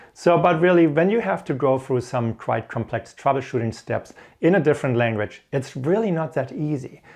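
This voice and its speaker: A middle-aged man with a German accent speaks in a mid-pitched voice with noticeable creak. He explains things like a career coach, encouraging the listener and leaning on key points. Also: a little mellow. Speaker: host of an IT career advice channel. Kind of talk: instructional talk with personal stories.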